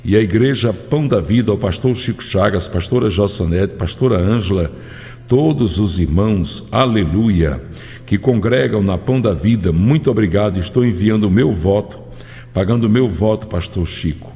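A man's voice: lowish voice, dark tone. A man, a pastor, fervently reading out church members' testimonies on a broadcast, drawing out his phrases. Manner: fervent preaching, drawn-out phrases. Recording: long hall reverb with faint music.

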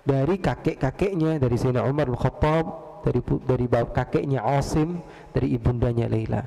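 A man's voice: mid-range voice, a little fast, creaky, warm tone. A man preaching in a mosque, telling stories casually and answering his own questions. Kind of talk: storytelling religious lecture. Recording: long reverb of mosque hall.

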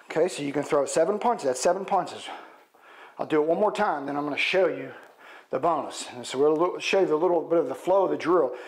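A man's voice: on the high side, brisk, rough recording. A middle-aged man giving boxing instruction as a coach, demonstrating while shadow boxing. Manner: calling out counts and punch names while shadow boxing. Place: indoor home gym.

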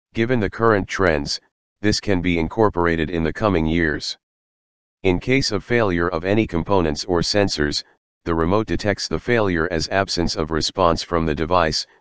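A man reading a scripted passage aloud in a measured, formal way, as a model answer. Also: deep voice, smooth, dry recording. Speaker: reader of model answers for an English speaking test.

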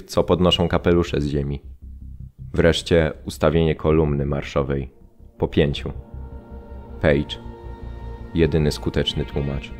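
Sombre prisoner witness, radio drama: cavernously low, terse, solemn. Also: male voice, darkish tone. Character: male camp prisoner, stark, sombre witness. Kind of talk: scripted radio drama narration.

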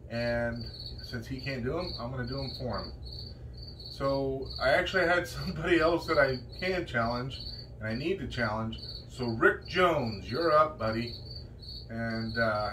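A middle-aged man talking casually to a camera a few meters away. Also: mid-range voice. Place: small indoor hobby room. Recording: distant mic, clearly noisy room.

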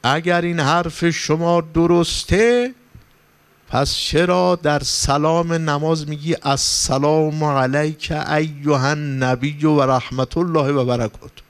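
A cleric with a Persian accent from Iran preaches in a religious gathering hall, his slightly high voice clear and resonant with fairly even intonation. He tells stories passionately, rising to emphatic, pleading peaks for emphasis.

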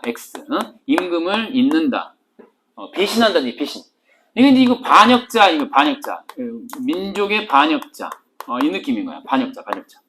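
A woman teacher lectures on a literature text in a lively, sing-song voice that swings widely in pitch. She teases and jokes with her students and slips between polite and casual speech. A faint hiss with small clicks sits under the recording. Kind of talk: exam-prep literature lecture.

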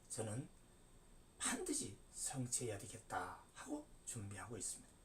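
Seventy-year-old man preaching with wildly swooping pitch. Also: darkish tone, a little hiss or hum. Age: 70s. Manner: emphatic, declaiming with sudden rises and falls. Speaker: religious lecturer. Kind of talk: preaching lecture. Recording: distant mic.

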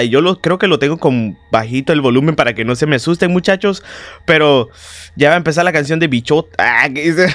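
A man's voice: a little high, a bit bright, no echo. A man with a sore throat giving joking, chatty commentary while playing a horror game and talking to his viewers. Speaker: gaming video host. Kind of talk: playthrough commentary.

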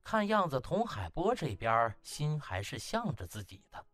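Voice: medium pitch, very animated, moderate pace, a bit bright, no echo. A narrator reading a comic web novel in a theatrical, colloquial, exclamatory way. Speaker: audiobook narrator.

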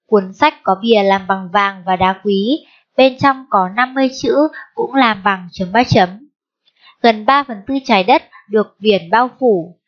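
A woman teaching a primary school spelling lesson, dictating slowly and deliberately and reading out the punctuation for the children. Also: medium pitch. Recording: dull lo-fi sound.

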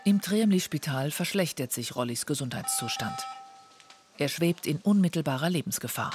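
A male documentary narrator delivers scripted lines in a calm, factual tone. His voice sits a little high, and music plays clearly beneath the narration. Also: moderate pace. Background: music under the voice.

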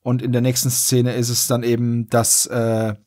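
A man's voice: medium pitch, completely flat delivery, normal speed, darkish tone. A man hosting a podcast, recapping a story in a casual, wry, joking way. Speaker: podcast host.

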